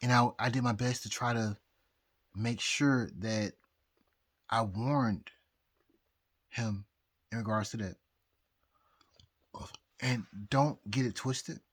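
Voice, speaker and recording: A very drunk man rambling casually to viewers, halting and repeating himself as he loses his thread. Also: mid-range voice, steady tone. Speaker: amateur astrologer vlogger.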